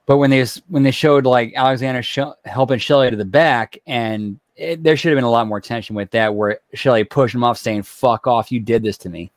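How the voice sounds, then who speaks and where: A man co-hosting a wrestling podcast, chiming in with quick opinions and leaning on "like" as he talks. His pitch sits in a middle range. The sound is dry and close, with no room echo. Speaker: podcast co-host. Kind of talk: casual wrestling recap chat.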